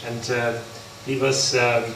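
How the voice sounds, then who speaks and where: A man from the Netherlands, a Buddhist monk, giving an unprepared talk at an interfaith forum, halting with many pauses. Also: mid-range voice, level tone. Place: large hall. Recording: echoey hall from far off, background noise.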